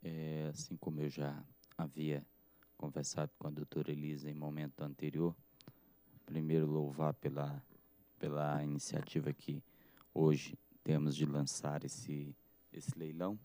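A Brazilian man with a Brazilian Portuguese accent, an agency director giving measured formal remarks over a video call, repeating phrases and restarting often. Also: rumbling low, completely flat delivery, mellow, no room sound.

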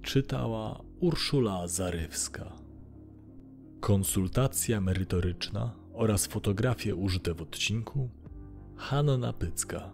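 A man's voice: lowish voice, takes it slowly, vocal fry, a little mellow, faint music behind. A man reading a scripted outro with credits as the show's presenter.

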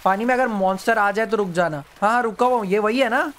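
A man streaming a horror game live, yelping, pleading and hushing as a monster comes near. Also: high-pitched, fast. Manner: jumpy, yelps and pleads with the monster, then hushes to a whisper. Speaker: gaming streamer. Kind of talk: live gameplay commentary.

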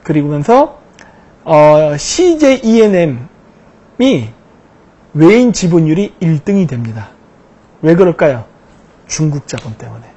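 A man giving a lecture-style political commentary over slides, posing rhetorical questions and answering them himself with emphatic, drawn-out stresses. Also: fairly high pitch, sing-song, mellow, breathy edge, highs cut off.

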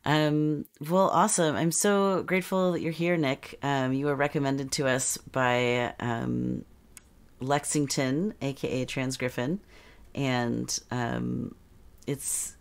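A woman's voice: rumbling low, measured pace, gravelly. A woman hosting a video-call talk show, bubbly and chatty, laughing easily. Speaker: podcast host. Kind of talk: casual interview chat. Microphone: headset on video call.

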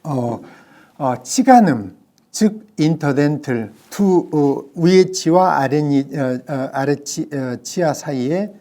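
A male professor giving a recorded pronunciation lecture, speaking deliberately with frequent hesitations and pauses. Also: fairly high pitch, expressive, mellow. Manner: slow, deliberate, many hesitations.

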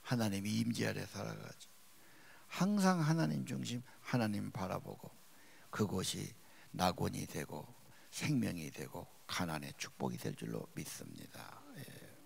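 A male pastor preaching a sermon, with emphatic rises and drops in loudness. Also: fairly low pitch, sing-song, unhurried, vocal fry, husky. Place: church sanctuary.

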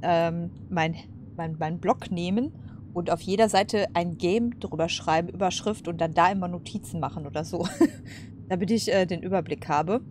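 Low-pitched woman casually commenting on a game. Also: normal speed, a little mellow, a little hiss or hum. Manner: informal, slangy, musing aloud. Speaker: let's play host.

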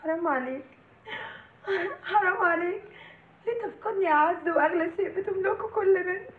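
A woman's voice: very high voice, fairly quick. An actress with an Egyptian accent playing a scheming young woman who gives orders dramatically. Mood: outraged. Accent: Egyptian Arabic. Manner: commanding, dramatic. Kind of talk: comedy film acting. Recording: tinny film audio with room echo.

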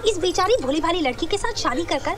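Loud headstrong activist lady, super high voice, jumps all over. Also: expressive, quick pace. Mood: indignant. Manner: indignant and declamatory. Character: loud, fiery activist wife, headstrong and outspoken. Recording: film soundtrack with crowd noise.

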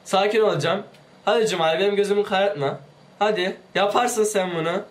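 Man, high voice, sick and strained, excitable let's play commentary, yells at his character. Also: a little fast. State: sick, voice may give out. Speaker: gaming YouTuber.

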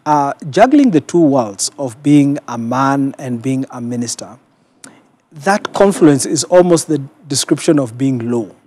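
A middle-aged man with a Kenyan accent, a pastor talking reflectively and in a measured way as an interview guest. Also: mid-range voice, lively intonation, mellow, no echo. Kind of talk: conversational television interview, personal storytelling. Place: television studio. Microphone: lapel mic.

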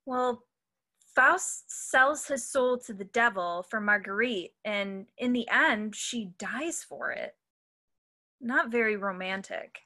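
A frank, worried young friend in a stage drama, acted by a woman. Her voice is slightly high and bright, with slow delivery. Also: exaggerated voice. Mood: gentle, wry. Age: young adult. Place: room at home. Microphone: computer mic on video call.

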